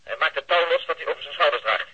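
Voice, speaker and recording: An actor playing an alert police lookout reporting urgently through a walkie-talkie filter in a radio drama, with a rough voice. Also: male voice, on the high side, quick pace, pushed and bright, heavily acted. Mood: tense. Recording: dull, crackly walkie-talkie sound.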